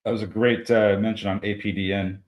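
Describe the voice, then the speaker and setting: Deep voiced dude on a trading stream, lots of uh and restarts while he calls targets. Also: level tone, highs cut off. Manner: halting, full of uh fillers and restarts. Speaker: trading show co-host. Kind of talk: live market commentary.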